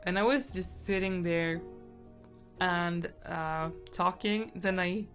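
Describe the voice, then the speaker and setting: A young woman streaming while she paints, chatting casually and thinking out loud, with lots of fillers and giggles. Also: on the low side, steady tone, slow. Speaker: artist streaming a painting session. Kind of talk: casual stream-of-consciousness chat. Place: indoors at home. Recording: faint background music.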